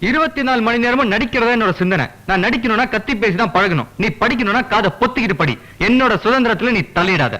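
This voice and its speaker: A man's voice: very high voice, expressive, fast, hardly any pauses, sharp tone, full character voice, poor audio. An actor playing a brash young man who rehearses film dialogue at the top of his voice, with film music behind him. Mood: defiant. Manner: theatrical, declaiming practice speeches. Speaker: aspiring actor. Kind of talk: 1990s Tamil film comedy.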